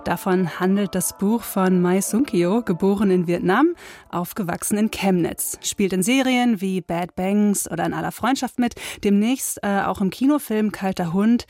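A woman hosting a radio show, introducing her guest and asking long, measured questions. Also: medium pitch, a little mellow, soft background music. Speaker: radio host. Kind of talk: radio interview.

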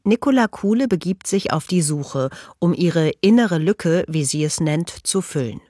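Documentary narrator, measured scripted read, dry close studio sound. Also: mid-range voice, breathy edge, no room sound. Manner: measured, even delivery.

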